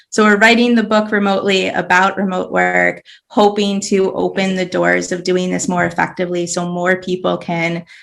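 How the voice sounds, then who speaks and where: The speaker has an American accent. The pace is moderate. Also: woman. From United States. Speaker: remote work advocate and speaker. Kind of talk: interview conversation.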